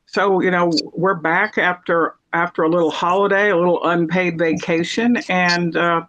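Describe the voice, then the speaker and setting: A woman's voice: on the low side, fairly even intonation, normal speed, fairly bright tone, muffled recording. A woman hosting a podcast in a casual, conversational style of chat. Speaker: podcast host.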